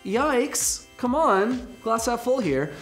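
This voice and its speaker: A man's voice: very high voice, slow, faint music behind. Jokey young man co-hosting a video show. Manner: animated, jokey, swings to loud bursts. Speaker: co-host. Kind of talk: casual scripted web show chat. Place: studio set with branded backdrop.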